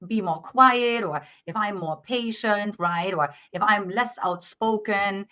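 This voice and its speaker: A middle-aged woman from Eastern Germany, a dating coach with a German accent, earnestly walks an interviewer through her ideas and often adds "right?" Her fairly low voice is bright and forceful.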